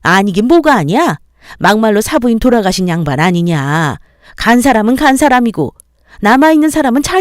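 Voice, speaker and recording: A woman's voice: mid-range voice, dry recording, studio quality, close to an everyday voice. A woman voicing a greedy older mother-in-law who nags and lectures condescendingly in a dramatized story reading.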